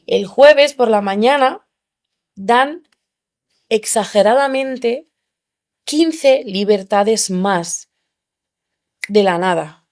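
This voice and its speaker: A young woman from Spain, a podcast guest, telling her story in an animated way and acting out the people she quotes. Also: on the high side, drawn-out words, pauses often. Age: young adult. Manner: animated, acts out quoted voices. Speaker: interview guest.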